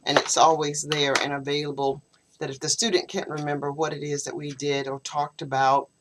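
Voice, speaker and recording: A woman English teacher explaining her methods to a student in an online lesson, in a measured, explanatory way. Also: low-pitched, little pitch movement, heavy background noise. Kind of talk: online tutoring session. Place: home, video call. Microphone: computer video call microphone.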